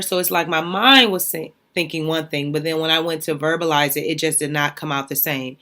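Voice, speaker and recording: A woman's voice: low-pitched, fairly bright tone. A young adult woman hosting her own podcast, telling a personal story in a candid, conversational way with goofy, light-hearted asides. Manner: conversational and candid, frequent "right?" and "y'all". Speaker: podcast host.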